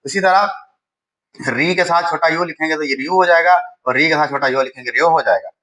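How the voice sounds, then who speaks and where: A high, bright man's voice with a Pakistani Urdu accent, explaining a Japanese writing lesson step by step. He talks patiently, like a teacher at a whiteboard. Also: moderate pace, poor audio.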